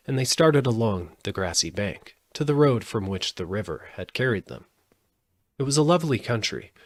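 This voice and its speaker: Male audiobook reader for children's fiction, very animated delivery, dry sound. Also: on the low side, no room sound. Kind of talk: expressive storybook narration, read live.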